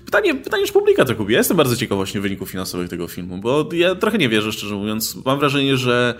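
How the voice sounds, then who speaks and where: A man's voice: mid-range voice, wildly swooping pitch, fast. A man co-hosting a casual film discussion podcast, talking with many fillers and restarts. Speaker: podcast co-host.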